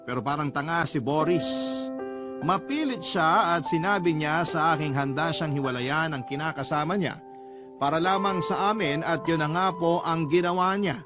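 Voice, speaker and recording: A man's voice: a little high, normal speed. A man with a Filipino accent reading a first-person love-story letter aloud in a theatrical, confessional radio style. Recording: loud music bed under voice.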